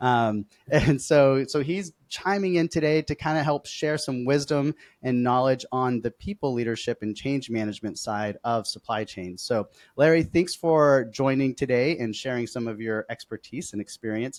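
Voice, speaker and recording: A man speaks with a Texan accent at medium pitch and a moderate pace, his pitch varying in an ordinary way. The recording is very clean, with a silent background and a dry, close sound that has no echo. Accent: Texan American. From Texas. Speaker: podcast host. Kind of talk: podcast interview.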